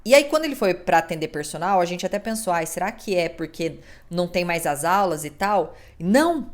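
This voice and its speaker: A woman in her thirties with a Brazilian accent, hosting a podcast in a casual, expressive monologue, swearing now and then and acting out the people she quotes. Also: fairly low pitch, a little fast. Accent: Brazilian Portuguese. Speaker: podcast host.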